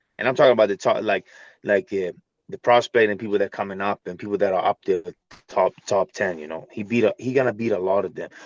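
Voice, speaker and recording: Fairly low in pitch, a man speaks at a very fast pace with fairly even intonation, the sound dry and close with no echo. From Sweden. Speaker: professional boxer. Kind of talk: interview. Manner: casual, slangy.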